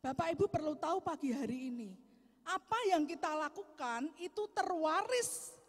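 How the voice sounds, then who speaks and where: A woman preaching a sermon, telling stories loudly and with lots of life to a congregation. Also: high-pitched, normal speed. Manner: loud, lively storytelling. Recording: echoey hall.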